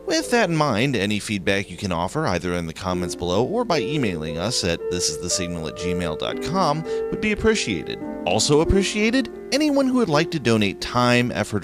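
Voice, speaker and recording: An upbeat man closes his podcast with casual thanks and credits. His voice is lively and cheerful, and he talks quickly. Music plays clearly behind him. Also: medium pitch. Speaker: podcast host.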